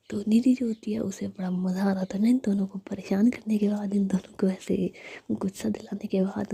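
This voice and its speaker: Woman narrating a story in a breathy whisper. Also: medium pitch. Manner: steady hushed whisper, chatty filler words.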